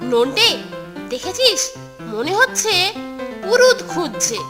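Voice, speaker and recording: An impish cartoon schoolboy sidekick. The voice is extremely high and childlike, swinging widely in pitch while drawing words out slowly. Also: female voice, very animated, heavily acted. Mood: eager. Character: Fonte, eager impish young schoolboy sidekick. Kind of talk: exaggerated Bengali children's cartoon acting. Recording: music playing under the voice.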